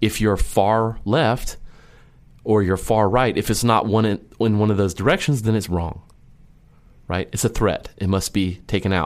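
A man speaks at a fairly slow pace in an unremarkable speaking voice. His pitch is fairly low, with fairly even intonation and very even loudness. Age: 40s. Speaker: podcast host. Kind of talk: solo podcast monologue. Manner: casual with frequent fillers.

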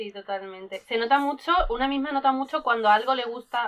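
Delivery is at a moderate pace, with fairly even intonation. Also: woman. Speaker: youtuber. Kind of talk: interview. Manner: soothing, relaxed.

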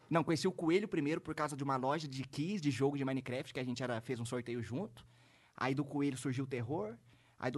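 A man's fairly high voice comes through against a quiet background. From Brazil, São Paulo state (Taubaté). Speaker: gamer streamer. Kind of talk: casual chat. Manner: fast.

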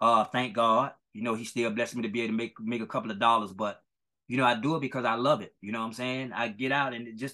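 Over a quiet background, a man with an American accent talks at a very fast pace. His tone is bright and sharp, at medium pitch with fairly even intonation. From Miami, Florida. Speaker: R&B singer. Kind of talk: casual chat.

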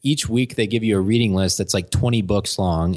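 With an American accent, a man talks at a fairly quick pace with ordinary pitch variation against a quiet background. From US South. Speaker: entrepreneurship coach. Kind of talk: casual interview chat. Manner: articulate, concise.

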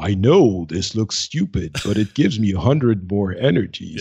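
Using a put-on character voice, a man talks at a moderate pace and a fairly low pitch.

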